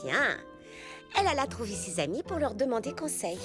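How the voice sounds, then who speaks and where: A woman playing an excitable, polite young bookworm in a children's cartoon, expressive and a little hesitant. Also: a little high, fairly quick. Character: bookish, excitable young female storyteller and skate inventor. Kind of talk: animated children's cartoon dubbing. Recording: background music under the voice.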